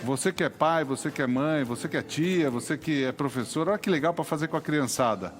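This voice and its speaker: Upbeat tv chef host guy, middle-aged, kinda high voice, talks right to the viewers, music bed behind. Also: fairly quick. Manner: chatty, upbeat, addresses viewers directly. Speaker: TV cooking show host. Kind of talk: live TV cooking show banter. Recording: TV studio with background music.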